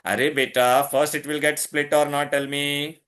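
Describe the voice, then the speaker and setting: A man's voice: on the high side, level tone, fairly quick, a bit bright. A man with a South Asian accent teaching a one-on-one lesson, switching between English and Hindi and repeatedly quizzing the student with checking questions. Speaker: chemistry tutor.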